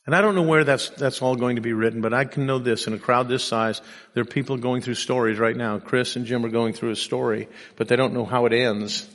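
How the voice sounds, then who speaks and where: A man's voice: medium pitch, fairly even intonation, fairly quick, fairly bright tone, long reverb tail. A man preaching a sermon and telling personal stories with self-deprecating humor, saying he is sleep deprived. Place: church.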